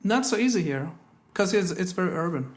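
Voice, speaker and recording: Here a German-raised comedian in his thirties chats casually as a guest, speaking a little fast. His slightly high male voice carries wry, deadpan jokes.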